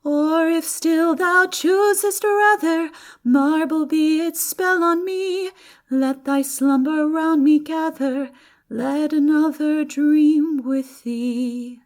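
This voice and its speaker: A woman performing a lovelorn young man in an audiobook, singing slow, drawn-out verse with melodic yearning. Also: high voice, steady tone, soft background music, voice pushed up. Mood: gentle pleading.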